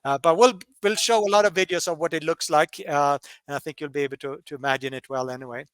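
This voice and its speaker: A man from Colorado presenting a workshop webinar, halting with many fillers and restarts. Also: a little high, fairly even intonation, fairly bright tone, clear, resonant tone, no room sound.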